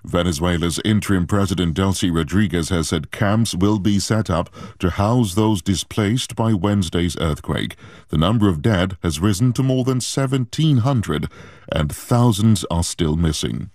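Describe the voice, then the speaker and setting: A male newsreader with a very low voice reads the bulletin in a measured, formal tone. The studio sound is dry and close. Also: a little mellow, no room sound. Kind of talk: news bulletin reading.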